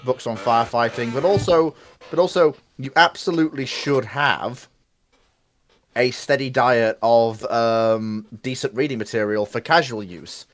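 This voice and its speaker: A man speaking as a panelist in a casual livestream chat, deliberate and given to repeating phrases. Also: medium pitch, slight background noise.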